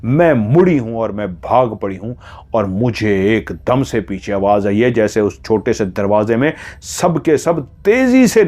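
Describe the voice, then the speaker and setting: A man's voice: medium pitch, a little mellow. A man narrating a horror story dramatically, in a suspenseful way, repeating phrases for emphasis.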